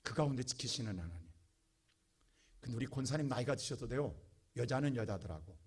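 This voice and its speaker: A male pastor preaching a sermon with passion, going from quiet talk to shouting. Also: mid-range voice, expressive, brisk, breathy edge.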